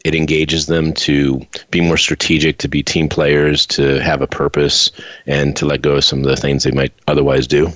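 A very deep-voiced man hosts an interview and asks long, chatty questions that wander. The sound is dry and close, with no room echo, and the audio is dull and lo-fi. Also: completely flat delivery, normal speed, a bit bright. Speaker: interviewer host.

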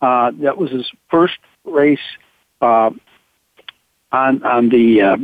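A man hosting a racing radio show over a thin, phone-like line, his voice slightly hoarse. He stops often with "uh" and lifts with enthusiasm when he talks about winners. The sound is dry and close. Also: mid-range voice, no room sound. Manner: halting, full of uh fillers, enthusiastic about winners. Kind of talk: horse racing talk radio. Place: at home on a farm.

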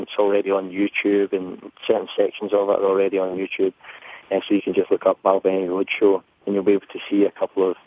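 A man with a broad Scottish accent speaks as an interview guest in an earnest, conversational way. His voice is on the low side. It comes through a tinny, narrow phone line with a dry sound. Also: no echo. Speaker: interview guest, brand representative. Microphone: telephone.

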